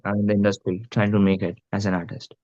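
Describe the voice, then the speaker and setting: A young adult guest musician with an Indian Punjabi accent talks earnestly yet casually in an interview, saying "you know" and "like" a lot. His voice is on the low side, a little mellow and flat in delivery, and he speaks fast over dull audio.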